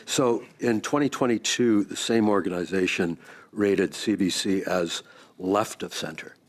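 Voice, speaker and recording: A man's voice: fairly low pitch, a little slow. A man putting pointed, pressing questions in a formal hearing, as a committee member addressing a witness.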